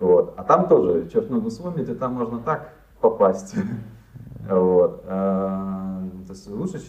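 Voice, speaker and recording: This man's voice has big swings in loudness. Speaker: project manager. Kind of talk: casual interview.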